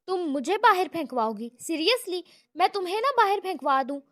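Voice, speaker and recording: A woman reads a rude young man who yells at everyone. He is hot-headed and easily offended, and he barks his lines in a high voice. The recording is close and dry. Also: very animated, dry recording. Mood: angry shouting. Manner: shouting, indignant outbursts.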